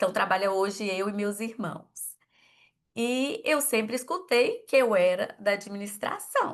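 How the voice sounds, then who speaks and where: A woman speaks at a fairly high pitch with ordinary pitch variation and a fairly slow pace. The background is quiet. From Minas Gerais, Brazil (Belo Horizonte). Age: 40s. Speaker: affiliate salesperson. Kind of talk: testimony.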